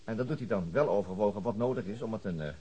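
A man plays an earnest senior police detective in a radio crime drama. His voice sits on the low side, and he talks in a thoughtful, naturalistic way with a strict streak. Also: fast, warm tone, lightly acted. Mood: reflective.

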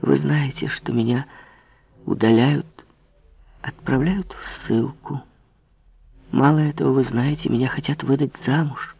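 A man's voice: medium pitch, fairly even intonation, unhurried, long pauses, voice pushed up. Man voicing a desperate young woman pleading. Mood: sorrowful. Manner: pleading, breathy whispers. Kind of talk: audiobook reading. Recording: dull lo-fi recording.

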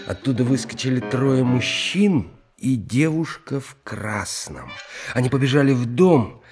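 An actor in an audio play voicing an earnest, gallant young unlucky artist who plays sleuth, telling his story theatrically with expressive pauses. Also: medium pitch, music in the background. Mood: eager recounting. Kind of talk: theatrical audio drama acting.

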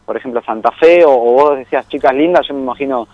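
A man's voice: medium pitch, fast, no echo, dull audio. A young Argentine man talks casually as a radio guest who works as a tour guide. He rambles, uses many fillers and laughs easily. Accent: Argentine Spanish.

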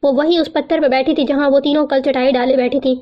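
A woman narrating a novel aloud with steady, even storytelling delivery. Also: sits high. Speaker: audiobook narrator. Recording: muffled lo-fi recording.

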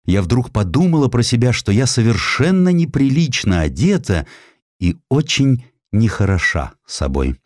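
Deep-voiced, dramatically expressive male narrator. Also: dry recording, studio quality. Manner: expressive, deliberate, with pointed pauses. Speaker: audiobook narrator. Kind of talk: dramatic scripted literary narration.

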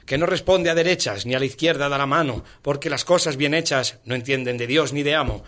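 Bright-voiced man reciting. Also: mid-range voice, a little fast. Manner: rhythmic, emphatic recitation with colloquial clipped words. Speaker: comedian guest. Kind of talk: rhyming satirical poem recital and radio banter.

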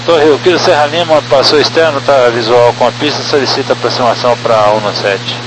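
A man's voice: mid-range voice, fairly quick. Male pilot, cockpit radio calls, clipped and terse, heavy static. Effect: pilot talking over cockpit radio. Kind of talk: air traffic radio exchange. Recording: noisy distant radio transmission.

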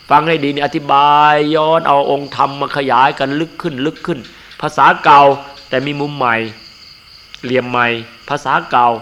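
A man's voice: a little high, a bit bright. An older man, a monk, giving an earnest and emphatic dharma sermon.

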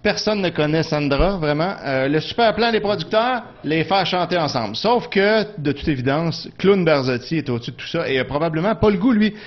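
A man's voice: a little high, expressive, brisk, hardly any pauses, muffled recording. A man with a Quebec French accent, co-hosting a radio show and delivering a sarcastic, joking music chronicle. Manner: wry, sarcastic storytelling. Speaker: radio co-host, columnist.

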